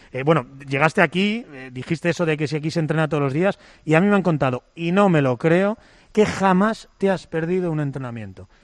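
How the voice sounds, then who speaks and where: An ordinary speaking voice from a man, fairly high in pitch, at a fairly quick pace with ordinary pitch variation, in a dry, close sound with no echo and a quiet background. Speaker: sports podcast host. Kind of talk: interview. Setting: training gym.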